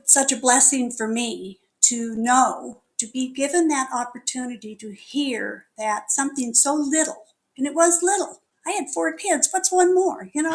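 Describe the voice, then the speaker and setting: A middle-aged woman minister delivering a sermon, telling a personal story in a chatty, candid way and laughing at herself. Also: high voice. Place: spiritual center meeting hall.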